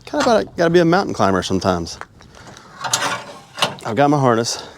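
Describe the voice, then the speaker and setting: Outdoors working on a windmill, an Oklahoma windmill repairman narrates a casual vlog, rambling in a folksy, self-deprecating way while stuffy and nasal from a cold. His mid-range voice is brisk with big pitch swings, and the recording is noisy.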